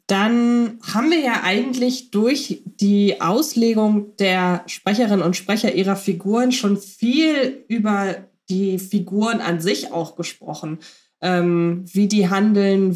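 A woman's voice: mid-range voice, darkish tone. Female podcast co-host, mid-range voice, reflective and conversational, thinks aloud.

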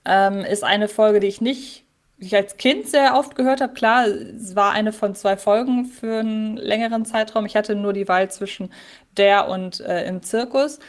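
A woman's voice: mid-range voice, fairly even intonation, moderate pace. A woman co-hosting a podcast, chatting in a reflective way about an old audio drama episode she heard as a child. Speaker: podcast co-host.

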